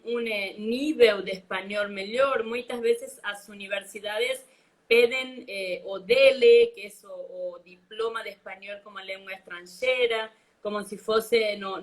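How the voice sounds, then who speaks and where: Argentine woman chatting in Portuguese-Spanish mix. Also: on the high side. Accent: Argentine, speaking Portuguese mixed with Spanish. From Argentina, Buenos Aires. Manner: animated, frequent laughs and fillers, mixes Spanish and Portuguese. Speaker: Spanish teacher. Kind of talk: casual live chat.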